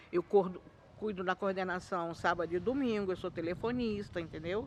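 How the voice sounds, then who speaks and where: The voice is raised and projected, with noticeable background noise behind it. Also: man. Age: 60s. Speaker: person living with HIV, shelter volunteer. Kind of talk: documentary interview.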